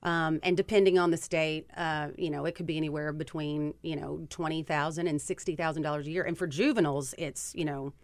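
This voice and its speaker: Woman, Kentucky accent, fairly low voice, dry close sound, earnest, explanatory. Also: fairly even intonation, brisk, hardly any pauses, no echo. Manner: earnest, explanatory, cites figures. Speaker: guest policy advocate. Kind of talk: talk radio discussion.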